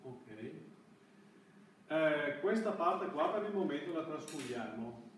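In an indoor classroom, a middle-aged university lecturer with a fairly high, expressive voice lectures haltingly, making repeated false starts while hunting for the right word. Recorded from afar on a camera mic, the audio is highly reverberant with faint hiss in the background.

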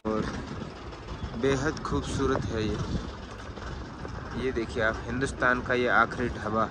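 Young man vlogging over loud outdoor noise. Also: medium pitch, fairly even intonation, slow pace. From Rajasthan, India. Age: young adult. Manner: chatty, points things out to viewers while walking. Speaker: travel vlogger. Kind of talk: casual travel vlog, talking to viewers. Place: outdoors in a mountain village by a road. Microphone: phone held at arm's length. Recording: outdoor phone recording, loud wind and traffic noise.

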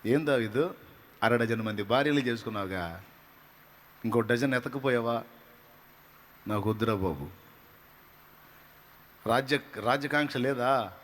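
A man's voice: normal speed, pauses often. Fervent man preaching a sermon. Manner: fervent, rising to emphatic high bursts; drops to soft, intimate prayerful tone.

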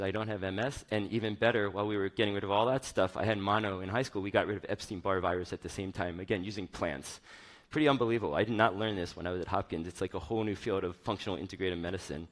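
A man's voice: lowish voice, quick pace. A middle-aged man giving an informal, personal conference talk on stage in a conversational, rambling way. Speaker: chief medical officer giving a keynote.

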